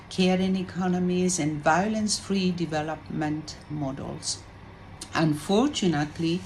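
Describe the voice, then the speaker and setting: A woman from Chile, a webinar panelist, reading a prepared presentation in a measured, formal way. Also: on the low side, a little mellow, slight background noise, poor audio.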